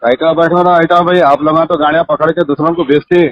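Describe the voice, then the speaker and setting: A man's voice: on the high side, steady tone, a little fast. A man with a Hyderabadi accent in a heated phone argument, insistent, pleading and reproachful, talking over the other person on a muffled recorded call. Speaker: social worker.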